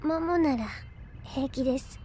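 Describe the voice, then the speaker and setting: An actress playing a gentle, earnest and very polite young android girl in an audio drama. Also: high-pitched, a little slow, slight background noise. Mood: quietly brave. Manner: soft-spoken, very polite. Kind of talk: Japanese audio drama acting. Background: loud background music.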